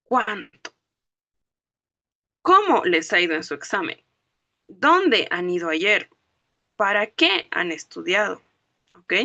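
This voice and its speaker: Woman teacher, slow careful delivery, gravelly edge, dry sound. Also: mid-range voice, animated, bright, forceful tone, no echo, lo-fi sound. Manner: explains slowly, checks understanding with "¿ok?" and "¿no ve?". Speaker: language teacher. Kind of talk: classroom lecture.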